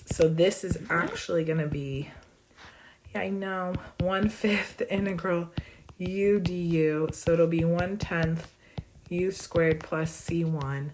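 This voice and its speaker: A woman math professor losing her voice, hoarse but brisk and bubbly as she rushes through exam solutions with playful asides. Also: low-pitched, background noise. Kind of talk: fast exam walkthrough.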